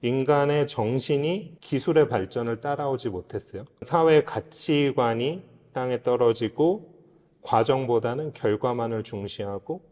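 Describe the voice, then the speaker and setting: A man's voice: mid-range voice, measured pace, a little mellow. A man speaking as a guest expert, explaining philosophy in an earnest, reflective, lecture-like way. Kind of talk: explanatory interview talk on philosophy. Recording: reverberant hall-like room.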